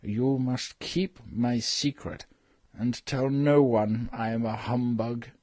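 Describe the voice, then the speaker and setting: A man plays a sheepish old wizard who is really a humbug. His voice is husky and dry at an ordinary pitch, and he sounds apologetic and coaxing. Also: fairly even intonation, slow pace, darkish tone, no echo. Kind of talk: dramatized audiobook reading.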